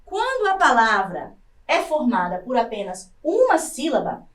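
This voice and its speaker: A Brazilian Portuguese-speaking woman teaching a recorded lesson for adult learners, slowly sounding out syllables one by one. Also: fairly high pitch, wildly swooping pitch, far from the mic. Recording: echoey room, voice off-mic.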